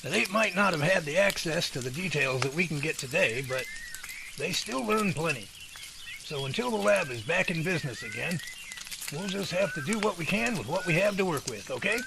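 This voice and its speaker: A man playing a calm, folksy Bigfoot researcher who speaks in measured little speeches in an amateur drama. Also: a little high, vocal fry, background noise. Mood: reassuring.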